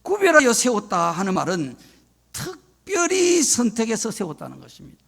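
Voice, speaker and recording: A man's voice: extremely high pitch, huge pitch swings, moderate pace, creaky, fairly bright tone. An older man, a retired senior pastor, preaching a solemn, emphatic sermon of warning.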